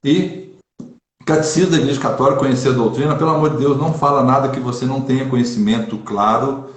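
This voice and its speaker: A Brazilian Catholic preacher speaking in a casual online chat, earnest and emphatic, repeating phrases for stress. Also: male voice, medium pitch, steady tone, quick pace, roomy sound.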